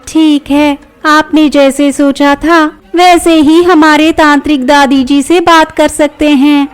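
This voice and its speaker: A woman's voice: steady tone, slow pace. A woman voicing a cackling skeleton who serves a sorceress in a storybook. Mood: teasing. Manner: shrill, cackling, taunting. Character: cackling skeleton servant of a witch.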